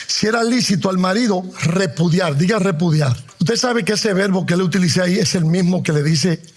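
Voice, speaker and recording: Man preaching, high voice, emphatic drawn-out stresses, calls for the congregation to repeat, joking asides. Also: breathy edge. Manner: conversational humor woven into Bible teaching. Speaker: pastor. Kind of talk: sermon.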